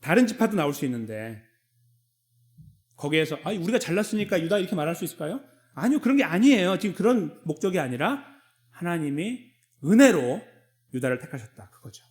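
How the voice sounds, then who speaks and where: Conversational pastor preaching. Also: male voice, a little high, big pitch swings, fairly quick, pauses often, darkish tone. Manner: conversational preaching, acts out dialogues with God. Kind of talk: sermon. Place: church sanctuary.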